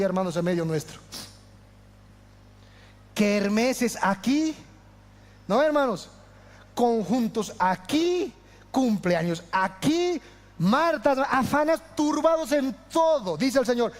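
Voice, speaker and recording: A pastor preaches with fervor, his fairly high voice rising to loud declarations and falling to near-whispers. A long reverb trails each phrase, the sound of a church hall. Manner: impassioned, swinging from loud to hushed. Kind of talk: sermon.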